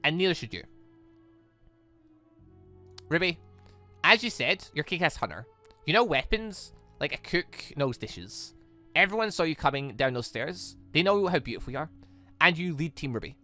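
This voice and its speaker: A man voicing a calm, devoted young gentleman from a visual novel, gentle, earnest and reassuring. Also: a little high, moderate pace, pauses often, soft background music. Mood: earnest, tender.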